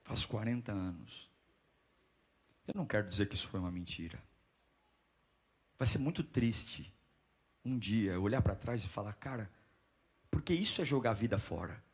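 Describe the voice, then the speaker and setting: A man around forty preaching a sermon, moving from calm teaching into loud, rhythmic, repetitive exhortation. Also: fairly low pitch, moderate pace, pauses often, slightly rough. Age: 40s.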